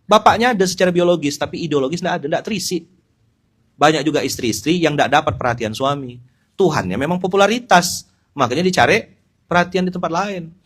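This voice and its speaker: A middle-aged man, giving an informal sermon in an animated, joking way and speaking straight to his listeners. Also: on the high side, brisk, slightly rough. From Pontianak, West Kalimantan. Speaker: Islamic preacher.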